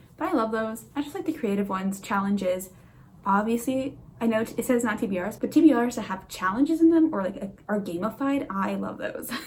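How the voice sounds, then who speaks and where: Amid noticeable background noise, a woman with a fairly high pitch talks at a fairly quick pace with lively intonation. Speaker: booktuber. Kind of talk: casual chat. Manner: stutters, fumbles words.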